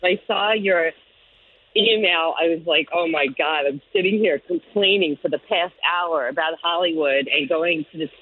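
A woman's voice: fairly low pitch, normal speed. A woman being interviewed over the phone, chatty and laughing often. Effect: phone line. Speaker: interviewed mother. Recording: tinny phone line.

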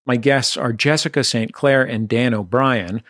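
A man hosting a radio interview show, asking questions in a measured, dry way and reading announcements. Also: mid-range voice, fairly bright tone. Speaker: radio host.

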